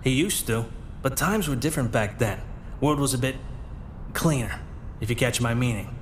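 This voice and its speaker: A man playing a gruff, wry police commissioner in a pulp radio drama, commanding and informal. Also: medium pitch, expressive, moderate pace, slight background noise, natural voice. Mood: wry, frank.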